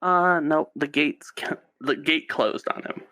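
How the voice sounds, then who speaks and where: Man, podcast guest, casual chat, rambling, halting, slow, very bright tone. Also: on the high side.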